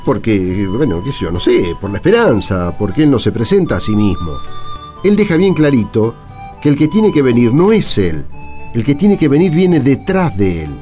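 An actor playing an excitable, gruff peasant husband in a radio play, speaking colloquial, emphatic Argentine Spanish. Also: male voice, medium pitch, normal speed, faint music behind, close to an everyday voice. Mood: earnest, emphatic.

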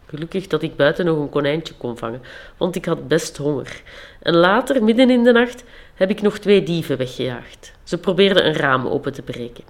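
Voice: mid-range voice, expressive, normal speed, natural voice. A storyteller voicing a loyal male white dog who tells of being mistreated, in a raised, agitated manner. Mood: indignant.

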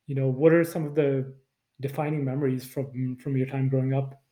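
A man's voice: mid-range voice, little pitch movement, brisk, warm tone. A man hosting a podcast, reading a scripted introduction and then asking friendly interview questions. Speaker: podcast host.

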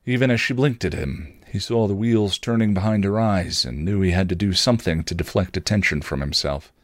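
A man's voice: sits low, a little fast, dry recording, studio quality. A man narrating a scripted story expressively, as a reader of fan fiction.

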